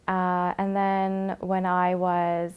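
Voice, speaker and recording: A young woman from Canada calmly telling her personal story of faith, often pausing with fillers. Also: fairly low pitch, clear, resonant tone. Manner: reflective, with frequent fillers. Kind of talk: personal testimony to camera.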